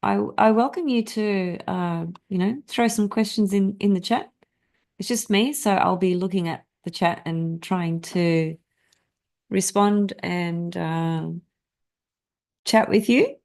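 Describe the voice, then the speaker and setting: A woman's voice: mid-range voice, slow pace, gravelly, darkish tone. A woman whose first language is Greek, hosting a casual astrology live stream and talking to her viewers in a rambling way, with many fillers and restarts.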